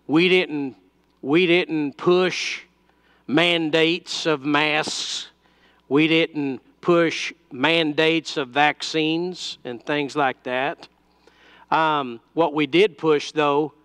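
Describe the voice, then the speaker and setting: A man's voice: on the high side, a bit bright, smooth, no room sound. A male pastor preaching a sermon at a pulpit microphone, talking in a conversational way with frequent fillers and restarts.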